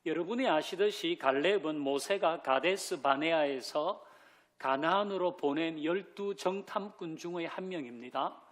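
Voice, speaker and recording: A man's voice: a little high, moderate pace. A man preaching a Sunday sermon as pastor, who asks the congregation questions, leads them in reading scripture and drops in light joking asides. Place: church sanctuary.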